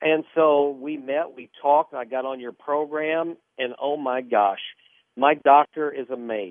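A man with a normal speaking voice talks at a fairly slow pace in a fairly high pitch, his intonation fairly even. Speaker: caller, former weight-loss client. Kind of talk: testimony. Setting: phone call.

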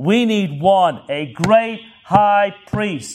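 A man with an English accent speaks at a high pitch. His pitch swings very widely. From England. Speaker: church history lecturer. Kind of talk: lecture. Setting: stage with audience. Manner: halting, many fillers.

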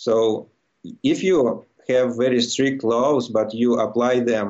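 A man with a Russian accent speaks very slowly at a medium pitch. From Ukraine (Crimea), Russian family. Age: 30s. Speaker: data scientist and author. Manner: halting, with many fillers and repetitions.

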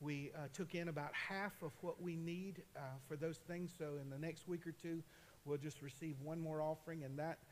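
A man at a moderate pace, fairly high in pitch, with monotone, flat intonation. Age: old. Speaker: pastor. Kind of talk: sermon. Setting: church.

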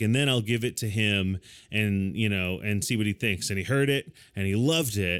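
Recorded very cleanly against a silent background, a man with a plain, everyday voice and fairly low pitch talks at a fairly quick pace with ordinary pitch variation. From Massachusetts, outside Boston. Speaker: film and theater composer. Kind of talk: casual interview.

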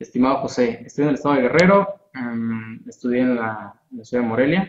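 Here a man talks with a plain, everyday voice. His pace is fairly quick and his intonation lively. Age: 20s. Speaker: accountant and blogger. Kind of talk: online talk with Q&A. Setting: live online stream.

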